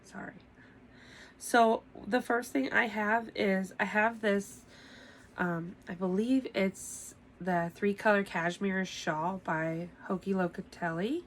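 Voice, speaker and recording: A woman's voice: medium pitch, fairly even intonation, takes it slowly, slight background noise. A congested, slightly nasal woman, chatting casually to camera from her home craft room, laughing often and filling with ums. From United States. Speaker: podcast host.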